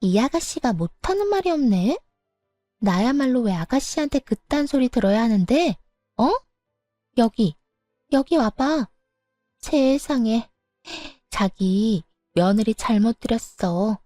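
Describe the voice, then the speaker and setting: A woman's voice: fairly high pitch, expressive, slow pace, warm tone, no echo, soft background music. A woman voicing a brash, bossy middle-aged mistress who scolds shrilly in a storybook reading. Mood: indignant.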